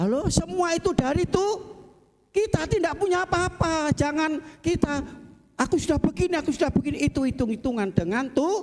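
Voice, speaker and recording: This man's voice is extremely high-pitched, with lively intonation and a fairly quick pace. His loudness stays very even. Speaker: pastor. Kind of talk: sermon. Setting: church service, livestreamed. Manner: occasional stammer.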